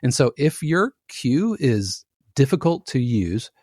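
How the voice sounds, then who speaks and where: A man guest on a podcast, explaining his trade in casual conversation, animated and full of analogies, often restarting his sentences. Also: medium pitch, slow, no room sound, studio quality. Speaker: podcast guest, production music composer.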